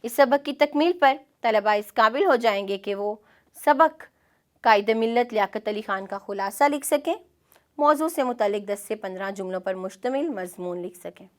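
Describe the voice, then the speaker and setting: A woman with a Pakistani Urdu accent, teaching a scripted classroom lesson in a clear, measured way. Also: on the high side. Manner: clear, measured instructional delivery.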